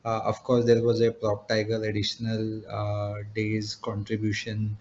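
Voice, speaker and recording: A man speaks in an even, little-varying voice over a dull conference line with faint noise behind him. He sounds like an analyst putting questions to company management, polite, hesitant and roundabout in his phrasing. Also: lowish voice, a little slow. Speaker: analyst asking questions on an earnings call. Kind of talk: business question and answer. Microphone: conference call line. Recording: dull conference phone line, noisy background.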